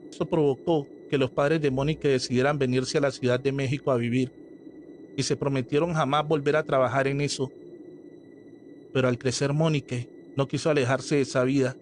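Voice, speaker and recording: A man reading a scripted horror story aloud as narrator, in a slow, measured storytelling manner. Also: mid-range voice, a little hiss or hum. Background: faint background music.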